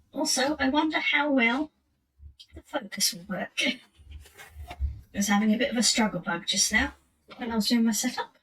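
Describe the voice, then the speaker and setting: With a British accent, a woman speaks at a moderate pace. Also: fairly high pitch for a woman, lively intonation, big swings in loudness. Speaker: streamer opening trading cards. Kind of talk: casual live-stream chat. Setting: live stream.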